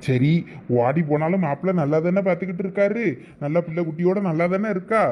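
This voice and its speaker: A man's voice: high-pitched, fast talker, dull audio. A man voicing a patient, placating husband and big brother in a cartoon, coaxing in a Thoothukudi Tamil accent. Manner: coaxing, reasoning. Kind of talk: dialect cartoon family comedy dialogue.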